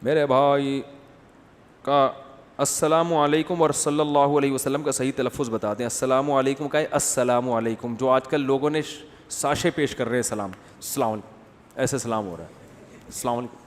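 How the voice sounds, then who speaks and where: A man giving a humorous religious talk, telling stories with comic impressions and answering questions read out from the audience. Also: mid-range voice. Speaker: Islamic scholar answering questions. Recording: long hall reverb.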